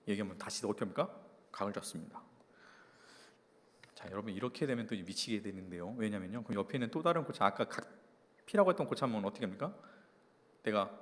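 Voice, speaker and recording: A man's voice: fairly low pitch, a bit bright. A pastor in his thirties preaching a sermon at a young adults' service, telling an army story and often asking the congregation questions. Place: church hall. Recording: long church-hall reverb.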